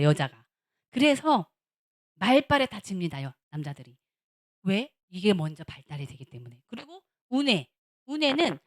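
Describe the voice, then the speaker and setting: A middle-aged woman, a seminary professor, giving a lively lecture on marriage at a church, acting out little dialogues and repeating words for emphasis. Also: on the high side. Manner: animated, acts out little dialogues of husbands and wives.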